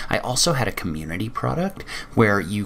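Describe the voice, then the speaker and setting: With light background noise, a man speaks at a moderate pace. He has an unremarkable speaking voice and a fairly low pitch. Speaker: online course creator. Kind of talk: casual vlog chat. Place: home room.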